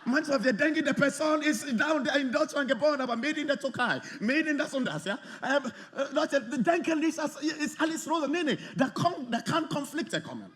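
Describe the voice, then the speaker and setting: A man preaching a sermon in lively, slightly non-native German with English phrases mixed in. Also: extremely high pitch, brisk, few pauses. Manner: animated, lively, often acts out quoted arguments. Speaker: pastor.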